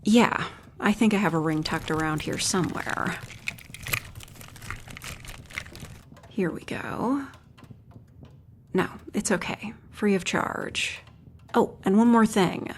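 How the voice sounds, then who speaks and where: A woman's voice: mid-range voice, a little slow, a little hiss or hum, lightly acted. A woman playing a friendly jeweler and rebel ally in a fantasy audio roleplay, speaking in a casual, conversational way. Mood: warm, helpful.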